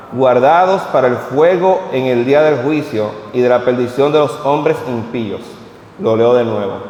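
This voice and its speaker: A man's voice: medium pitch, slight background noise. A man, reading scripture aloud at a church vigil and then speaking plainly to the congregation. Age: 30s. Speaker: preacher. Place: church hall at a vigil service. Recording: echoey hall with long reverb.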